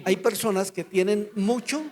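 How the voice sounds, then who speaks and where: An older man with a Colombian Spanish accent, a pastor teaching a Bible study through lively anecdotes with acted-out dialogue. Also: sits high, normal speed. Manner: storytelling, acts out dialogue in quotes.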